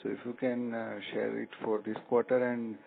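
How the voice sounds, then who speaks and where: Creaky-voiced man on the phone. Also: medium pitch, little pitch movement. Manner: polite, halting. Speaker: analyst asking questions. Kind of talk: earnings call questions. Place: conference call by phone. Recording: narrow phone line with faint hum.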